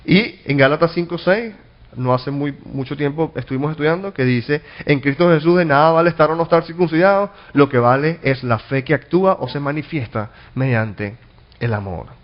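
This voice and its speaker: On a muffled recording, a pastor with a slightly high voice delivers a sermon Bible study at normal speed. His teaching is earnest, full of restarts, repeated words, and rhetorical questions he answers on his own.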